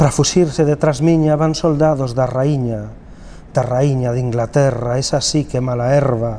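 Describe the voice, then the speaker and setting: A man at a moderate pace with fairly even intonation, light background noise behind him. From Galicia. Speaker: poet and writer; poet. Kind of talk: reading aloud. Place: shop. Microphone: lapel.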